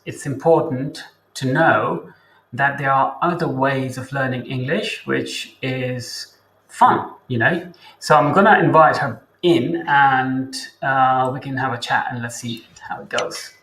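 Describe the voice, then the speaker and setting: A man who teaches English hosts a casual interview chat, talking in a chatty way and thinking aloud with pauses. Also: mid-range voice, a bit bright, echoey room, rough recording.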